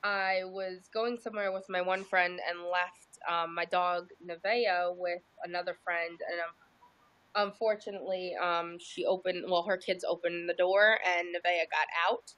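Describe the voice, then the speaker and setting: A woman's voice: lowish voice, steady tone, unhurried, a bit bright. Hesitant woman on a video call. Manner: hesitant, many ums, nervous laughs. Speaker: guest caller.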